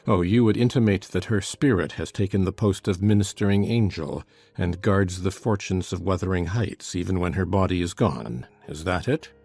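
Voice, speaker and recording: A man voicing a grim, sneering middle-aged master of the house, speaking slowly and coldly. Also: deep voice, darkish tone, husky, soft background music, voice pushed down. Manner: slow, cold, mocking.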